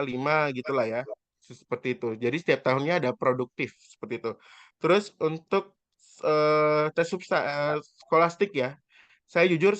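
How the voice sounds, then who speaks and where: Man in his thirties, guest lecturer, earnest, hesitant fillers, fairly high voice, dry close sound. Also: fairly bright tone, dry recording. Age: 30s. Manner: earnest, often hesitant with drawn-out "eee" fillers; politely addresses listeners as sir. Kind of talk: informal lecture sharing personal experience.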